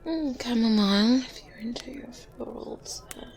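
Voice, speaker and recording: With a voice a little high, a woman plays a confident, experienced good witch in a soft ASMR roleplay, whispering breathily, hushed and politely hosting, gently condescending. Her pace is slow and deliberate, broken by hesitant pauses and hums. A close binaural mic captures faint ambience and medieval background sounds.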